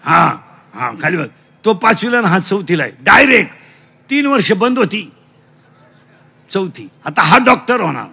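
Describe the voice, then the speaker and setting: High gravelly comic preacher. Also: male voice, very animated, normal speed, long pauses. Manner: shouting call-and-response with children; mixes broken English into lectures. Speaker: kirtan preacher. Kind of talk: comic kirtan sermon.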